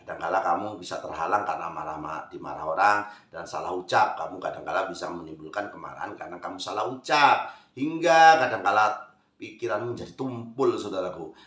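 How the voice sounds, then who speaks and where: A man giving a casual spoken horoscope reading, chatty, calling listeners brothers and sisters and swinging between loud stresses and soft asides. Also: sits low, a little fast. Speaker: zodiac fortune reader. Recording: roomy echo.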